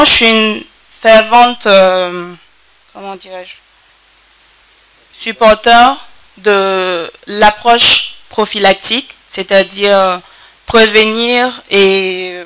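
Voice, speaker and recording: A woman's voice: mid-range voice, fairly bright tone, clean tone, dry recording, low-quality recording. A woman making a formal observation from the audience, choosing her words carefully. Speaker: audience member commenting at a panel.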